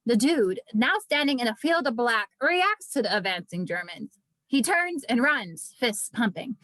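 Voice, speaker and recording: A woman's voice: high voice, a bit bright, dry recording. A woman reading scripted stage directions as narrator at a screenplay table read.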